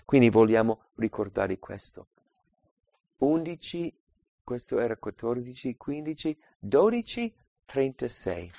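A man preaching a Bible study, reading scripture aloud and explaining it, swinging between loud emphatic passages and quiet asides. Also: mid-range voice, big pitch swings, measured pace, vocal fry, no room sound. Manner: reads scripture aloud and explains it, calling out verse numbers.

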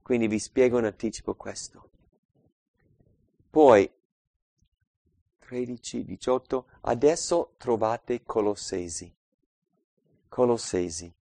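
A man preaching a Bible study, reading scripture aloud and explaining it, swinging between loud emphatic passages and quiet asides. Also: mid-range voice, takes it slowly, creaky, pauses often, no echo. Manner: reads scripture aloud and explains it, calling out verse numbers.

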